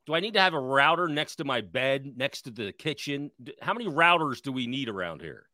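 A man's voice: medium pitch, lively intonation, brisk, bright, forceful tone, dry recording. A man in his fifties co-hosting a sports podcast, sarcastic and joking in casual chat. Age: 50s. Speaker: co-host.

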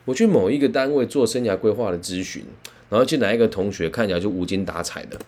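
A man, a career counselor telling a story in an animated, conversational way. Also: lowish voice, fast talker, slight background noise. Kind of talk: storytelling talk.

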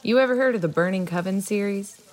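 An actress playing an easygoing small-town mother in an audio drama, folksy, teasing and gently scolding. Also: medium pitch, quick pace, natural voice. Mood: matter-of-fact, chiding. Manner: folksy, teasing, matter-of-fact.

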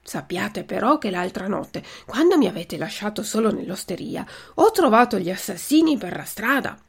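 A woman's voice: medium pitch, very animated, moderate pace, creaky, breathy edge, full character voice. A woman voicing an impulsive wooden puppet boy who talks eagerly and exclaims a lot.

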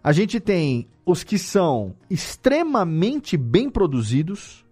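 Higher-voiced Brazilian man, emphatic podcast host. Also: huge pitch swings, slow, a little mellow, faint music behind. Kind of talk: conversational podcast interview.

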